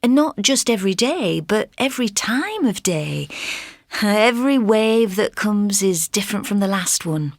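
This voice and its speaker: A woman speaks gently and wistfully. Her pitch is mid-range. The sound is dry and close. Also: expressive, a little slow, dry recording. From Yorkshire, England. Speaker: interviewee in a listening exercise.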